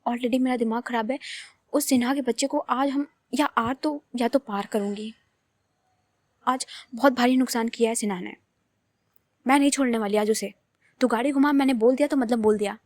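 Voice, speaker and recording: A furious young woman who will not back down, giving hard orders in a high voice, as a storyteller reads her lines. The sound is dry and close, with no room around it. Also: fairly even intonation, moderate pace, a little mellow, no room sound, lightly acted. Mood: angry. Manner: angry, stubborn, commanding. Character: fiery young woman bent on revenge.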